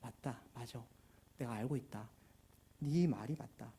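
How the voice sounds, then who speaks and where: A man voicing a calm, authoritative male teacher who speaks slowly and quietly in a church sermon. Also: mid-range voice, husky, pitched below the performer's own voice. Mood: solemn.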